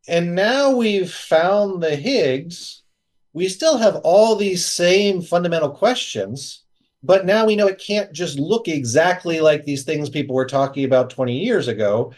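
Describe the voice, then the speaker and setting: Interview guest: man with a fairly high voice, earnest and explanatory. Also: darkish tone. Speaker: guest physicist. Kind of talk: casual interview talk.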